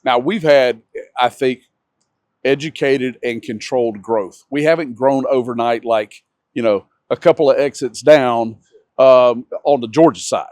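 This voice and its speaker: A man's voice: mid-range voice, measured pace, no room sound, studio quality. A man who owns a local business, chatting casually with a big voice and frequent restarts. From North Augusta, South Carolina. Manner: loud, hesitant with restarts, enthusiastic. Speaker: local business owner guest. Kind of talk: casual interview chat.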